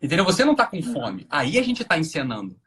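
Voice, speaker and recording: A man hosting a casual live-stream conversation with a Brazilian Portuguese accent, animated, jumping into silly voices to make his point. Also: on the high side, quick pace, breathy edge. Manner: animated, acts out silly voices mid-explanation. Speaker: host.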